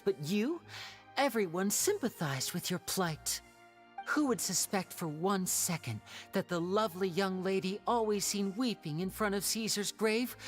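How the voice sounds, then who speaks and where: A woman playing a shrewd young magician in a video game, telling stories in a theatrical, measured, wry way. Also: mid-range voice, lightly acted. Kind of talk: video game voice acting, dramatic storytelling.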